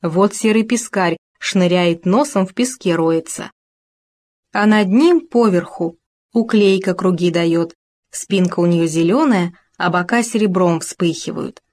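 A woman narrating a children's story in a lively, expressive reading voice. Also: fairly low pitch, measured pace.

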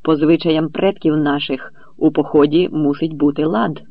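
A man voicing a stern commander addressing rebellious troops with a thunderous yet calm voice in an audiobook. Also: a little high, normal speed, dry recording. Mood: stern, commanding. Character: stern older male commander, calm authority. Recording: dull lo-fi recording.

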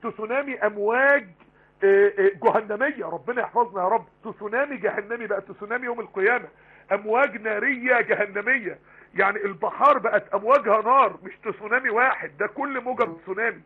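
A man with an Egyptian Arabic accent giving a live online Quran lesson, talking rapidly and emphatically with many rhetorical questions. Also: high-pitched, husky. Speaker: Quran teacher. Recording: tinny phone-line broadcast.

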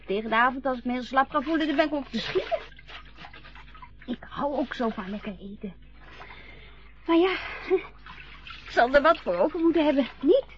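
A high, lively voice of an eager young woman chasing fame, played by a woman in a radio play. She talks in bursts and trails off into fillers. The recording sounds dull and lo-fi. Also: moderate pace, long pauses. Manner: lively, hesitant with many fillers. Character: young woman dreaming of stardom, eager, chatty. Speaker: lip-sync performer. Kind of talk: Dutch radio play acting.

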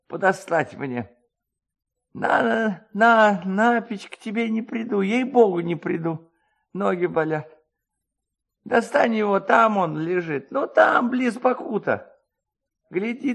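Man acting a rambling, grumbling drunk peasant, swooping pitch. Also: gravelly, exaggerated voice. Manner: muttering, repeating himself.

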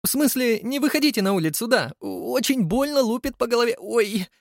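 A man voicing an excitable, flustered village woman who exclaims in a high, squealing voice, in an audiobook reading. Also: fairly quick, no echo, clean studio sound. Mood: excited.

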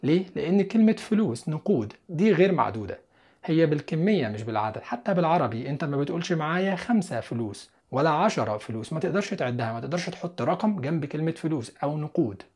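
A man with an Egyptian Arabic accent teaching an English grammar lesson, asking the listener questions and answering them himself, and repeating English examples slowly. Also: on the high side, animated, darkish tone, breathy edge. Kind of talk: explanatory lesson.

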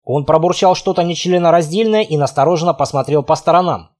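A man's voice: a little high, fast, darkish tone. A man narrating a first-person fantasy audiobook in a wry, conversational way.

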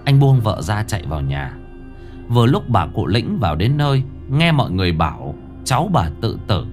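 A man tells a ghost story in a low, lively voice that dips and climbs with the drama. His delivery is expressive and measured. Faint music runs beneath.

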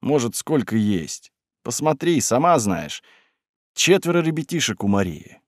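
A man's voice: mid-range voice, big pitch swings, a little slow, no room sound, clean studio sound. A man voicing an earnest middle-aged village foreman who speaks firmly and persuasively. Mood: persuading. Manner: firm and persuasive.

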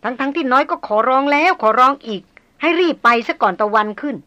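A woman's voice: sits high, brisk, pushed and bright, voice pushed up. A woman as a fiery, anxious young noblewoman. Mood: indignant. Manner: pressing, indignant questions.

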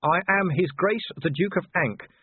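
A man's voice: high voice, normal speed, husky, voice pushed up. A man reading the part of a weary male city watch commander, dry and clipped. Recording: tinny phone-band sound.

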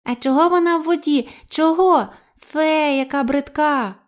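A woman voicing a chattering talking salamander that creakily parrots phrases in a squeaky, odd-sounding voice. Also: unhurried. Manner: repeats phrases eagerly, polite.

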